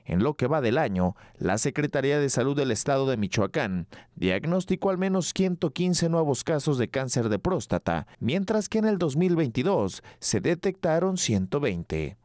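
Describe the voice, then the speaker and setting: A man with a Mexican Spanish accent reading a scripted television news voice-over in a measured, authoritative newsreader manner. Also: medium pitch, big pitch swings, a little mellow, dry recording, studio quality. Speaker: news reporter.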